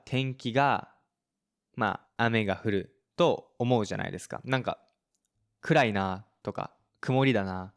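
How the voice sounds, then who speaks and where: A man hosting a language-lesson podcast, explaining word usage in a relaxed way and mixing in English examples. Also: lowish voice, clear, resonant tone. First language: Japanese. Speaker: Japanese teacher, podcast host.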